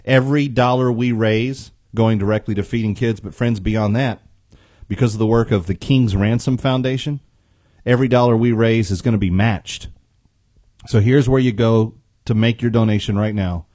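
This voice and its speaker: A man's voice: fairly low pitch, fairly even intonation, normal speed, darkish tone, dry recording. An American man hosting talk radio on a close studio microphone, earnest and emphatic, repeating key phrases for weight. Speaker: radio host.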